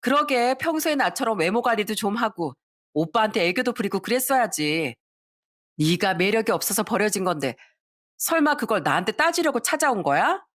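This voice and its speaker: A woman's voice: mid-range voice, very animated, normal speed, fairly bright tone. Yujeong, a sneering young woman, as a woman narrator puts her on. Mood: taunting. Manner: taunting, sneering. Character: scheming young woman, haughty and mocking.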